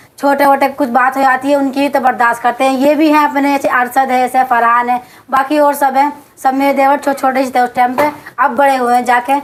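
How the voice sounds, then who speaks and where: Over noticeable background noise, a woman speaks with a high pitch and monotone, flat intonation. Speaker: housewife, family member. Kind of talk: casual family interview.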